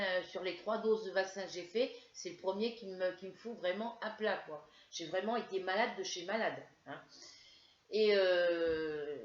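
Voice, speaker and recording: A woman from France telling a casual, rambling story to her viewers with many hesitations while feeling ill with a headache. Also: lowish voice. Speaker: crafts vlogger. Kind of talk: casual chat to camera. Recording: roomy, dull lo-fi home recording.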